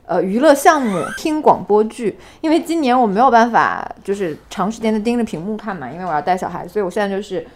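Woman telling lively anecdotes. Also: medium pitch, fast, few pauses, slight background noise. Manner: lively storyteller, laughs through anecdotes. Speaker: podcast co-host. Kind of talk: casual chat.

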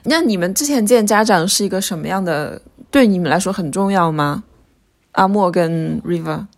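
A woman's voice: fairly low pitch, moderate pace. A woman in her thirties, co-hosting a casual podcast chat, reflective and thinking aloud with small restarts. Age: 30s. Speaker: podcast co-host.

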